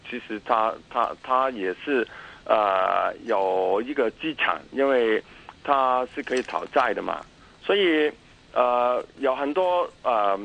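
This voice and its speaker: A man with a Cantonese accent in his Mandarin, a native Cantonese speaker, giving explanatory interview answers in a halting way with many pauses and repeated words. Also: medium pitch, expressive, creaky, fairly bright tone, a little hiss or hum, rough recording. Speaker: interview guest, academic.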